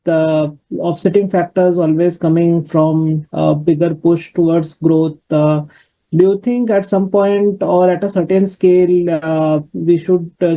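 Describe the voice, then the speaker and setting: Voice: mid-range voice, warm tone. A financial analyst asking questions on an earnings call, heard through dull conference call audio.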